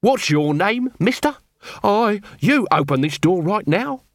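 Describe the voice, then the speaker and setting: Male narrator as scrawny corporal, swaggering, mock-official, slyly menacing, lively intonation, fantasy audiobook. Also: high voice, a little slow, no echo, clean studio sound, voice pushed up, heavily acted. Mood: urgent bossy. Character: scrawny, cocky, bluffing watch corporal, male.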